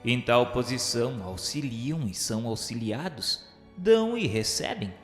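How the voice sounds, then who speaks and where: A man's voice: medium pitch, big pitch swings. Male Brazilian narrator for spiritual radio drama: solemn, literary, instructive delivery, mid-range voice, long reverberant tail. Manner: formal, measured, didactic. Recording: echoey hall reverb, music underneath. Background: music.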